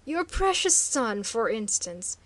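A woman voicing a furious, arrogant male chieftain who shouts savage threats in archaic speech. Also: fairly high pitch, sing-song, slow pace, heavily acted. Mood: raging.

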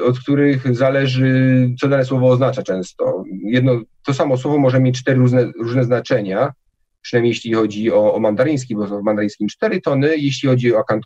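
A man's voice: medium pitch, mellow, lo-fi sound. A man giving an interview, talking casually and hesitantly, often restarting his words. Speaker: interview guest.

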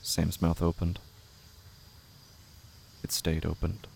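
A man with a gravelly voice narrating a literary horror audio drama in measured, somber, short phrases. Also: low-pitched, completely flat delivery, a little mellow. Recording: faint background noise with night insects.

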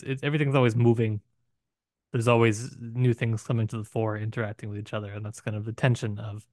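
A man co-hosting a podcast, talking casually about literature in a musing, halting way and posing rhetorical questions. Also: medium pitch, no echo, studio quality. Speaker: podcast co-host.

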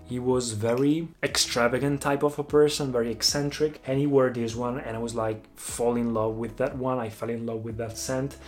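A man in his twenties from Italy with an Italian accent, native Italian speaker, reviewing fragrances in English in a casual, enthusiastic, emphatic way. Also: mid-range voice. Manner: enthusiastic, emphatic, drawn-out phrasing.

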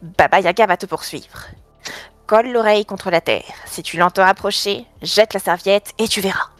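A lean black cat from a fairy tale, unhurried and knowing, played by a woman reader. He lays out each step with slow care. The sound is close and dry. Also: mid-range voice, a bit bright, dry recording, soft background music, lightly acted. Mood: advising. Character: thin black male cat, calm and wise.

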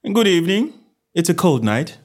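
A man voicing a shrewd gentleman detective in a story reading, self-assured and genteel with a careless, goading manner. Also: on the high side, sing-song, moderate pace, voice pushed up. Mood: affable, probing.

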